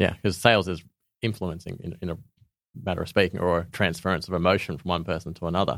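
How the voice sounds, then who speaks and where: A man with an Australian accent and a very deep, low pitch, at a very fast pace with monotone, flat intonation, on a very clean recording with a silent background. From rural Victoria, Australia. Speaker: podcast host. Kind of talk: casual interview chat.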